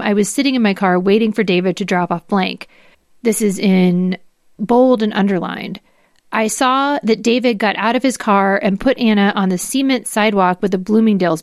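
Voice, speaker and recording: Female podcast host, formal read-aloud of legal paperwork with small asides, mid pitch, very dry recording. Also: dry recording. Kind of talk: dramatic reading of legal documents.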